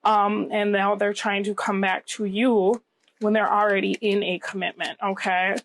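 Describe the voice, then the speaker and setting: A woman's voice: mid-range voice, little pitch movement, normal speed, fairly bright tone. A woman with a cold giving a casual tarot reading, slightly scratchy and nasal, conversational and often checking in with the listener. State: getting over a cold. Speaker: tarot reader, channel host.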